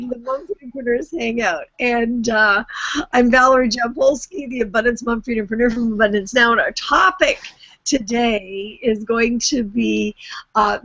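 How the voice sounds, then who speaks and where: A woman's voice: on the high side, a bit bright, no room sound. A middle-aged woman hosting a video hangout, chatty and rambling, with easy laughter. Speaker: host. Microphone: video call. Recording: dull, dry video call audio.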